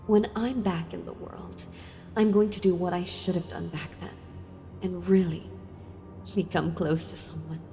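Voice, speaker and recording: A woman playing a sealed-away female villain in an audio role-play, speaking to the listener tenderly, intimately and with hesitant pauses. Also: on the low side, fairly even intonation, warm tone. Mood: wistful, affectionate. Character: sealed-away female villain, wistful, softly seductive and enthralled. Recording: long reverb with music behind. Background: music.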